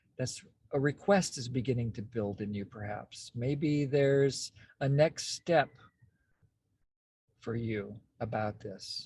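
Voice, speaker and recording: A man speaks at a very slow pace, leaving long, frequent pauses. His voice is somewhat breathy and swings widely in loudness. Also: medium pitch for a man, ordinary pitch variation. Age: 60s. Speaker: meditation and communication practice group leader. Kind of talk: guided meditation; group facilitation instructions. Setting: video call from a car. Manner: halting.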